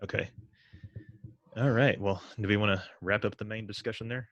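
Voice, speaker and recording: A man co-hosting a podcast late at night, relaxed and chatty, and quick to laugh. His voice is very deep. The room sounds dry and close. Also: dry recording, highs cut off. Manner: laid-back, laughs often. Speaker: podcast co-host.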